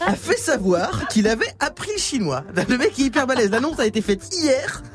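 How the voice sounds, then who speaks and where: A man with a high, bouncing voice delivers a comic radio news column, swinging his pitch all over as he jokes and chuckles at his own lines. Music plays under him in the studio. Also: moderate pace. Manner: jokey, laughing at his own gags, animated.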